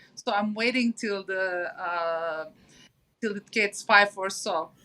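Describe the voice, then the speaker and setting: Speaking at a very slow pace in a Turkish accent, a woman has a bright, sharp tone and ordinary pitch variation. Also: medium pitch for a woman. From Turkey, Istanbul. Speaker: entrepreneur. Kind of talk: podcast interview. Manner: halting.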